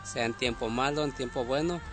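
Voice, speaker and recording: A man's voice: mid-range voice, brisk. A man from Mexico hosting a Christian radio program, speaking in a devotional, repetitive way. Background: music.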